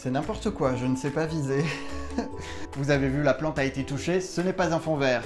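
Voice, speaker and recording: A man's voice: a little high, steady tone, quick pace, over music. A man hosting a casual unboxing vlog, talking to viewers in a playful, self-mocking way from a room at home. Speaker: YouTube host testing gadgets.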